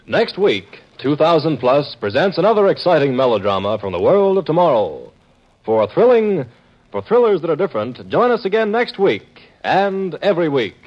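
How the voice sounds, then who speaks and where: A man's voice: fairly high pitch, big pitch swings, moderate pace, muffled recording. A man with an American accent announcing a radio show from a script in an emphatic, theatrical 1950s style. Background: loud orchestral music.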